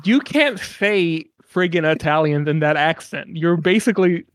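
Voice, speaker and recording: A man co-hosting a podcast, rambling and animated in casual chat, cursing freely as he picks apart a TV episode. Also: on the high side, normal speed, no echo, clean studio sound. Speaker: podcast co-host.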